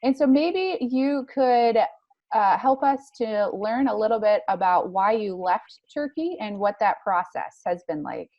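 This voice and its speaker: A woman introducing and interviewing a guest in a gentle, formal way. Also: mid-range voice, expressive, measured pace, muffled recording.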